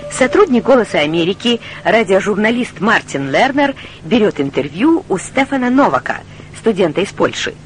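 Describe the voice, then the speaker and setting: Lively, measured woman radio-lesson host. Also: mid-range voice. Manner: clear, instructive, measured. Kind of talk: scripted radio lesson presentation. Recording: studio voice with faint music.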